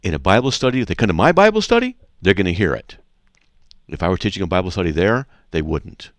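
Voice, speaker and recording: A man hosting a Christian call-in radio show, talking casually and frankly as he teaches and tells stories in an animated way. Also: low voice, fast, dry recording, clean studio sound. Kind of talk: casual conversational teaching and anecdotes.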